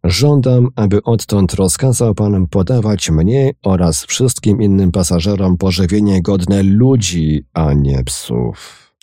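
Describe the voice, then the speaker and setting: A man voicing a cool, bold gentleman adventurer who speaks calmly and firmly in a storybook reading. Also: sits low, takes it slowly, dry recording, studio quality, pitched above the performer's own voice. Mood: commanding. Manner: calm, firm, commanding.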